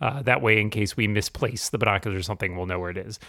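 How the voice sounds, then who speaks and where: In a very clean recording with a silent background, a man talks at a very fast pace in a fairly low pitch, his tone bright and sharp, with ordinary pitch variation. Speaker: podcaster and tech writer. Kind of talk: casual chat.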